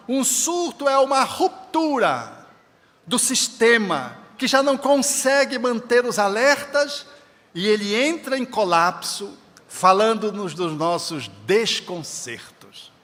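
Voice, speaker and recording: A long reverb tail follows a man whose voice sits high and sounds a little bright. He is a spiritist speaker lecturing emphatically at an event in a large event hall, preacher-style, with scripture quotations.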